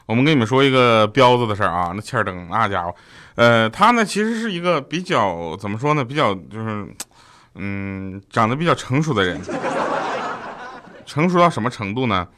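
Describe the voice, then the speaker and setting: A man's voice: medium pitch, sing-song, normal speed, a bit bright. A man, hosting a comedic podcast and telling funny stories in a chatty, joking way. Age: 30s. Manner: joking, chatty, laughs often. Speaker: podcast host. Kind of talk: comedic storytelling chat.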